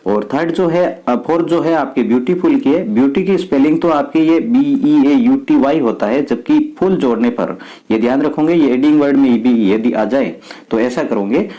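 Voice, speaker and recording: A man's voice: medium pitch, moderate pace, highs cut off. A man teaching students through an exam paper step by step, asking questions and answering them himself. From Rajasthan, India. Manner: explains step by step, asks and answers his own questions. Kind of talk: exam paper walkthrough lesson.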